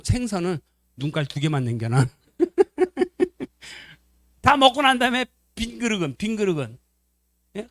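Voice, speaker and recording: A male pastor gives a family-life sermon in a church, spinning animated stories and quizzing his congregation as he goes. His voice sits high for a man, and the sound is close and dry. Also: no echo. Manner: animated storytelling, acts out quotes, questions the congregation.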